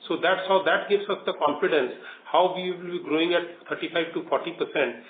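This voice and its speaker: Male Indian executive, slightly high voice, explaining emphatically on a noisy conference phone line. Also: a little fast, reverberant. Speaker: company executive. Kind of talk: answering questions on an earnings call. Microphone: conference call phone.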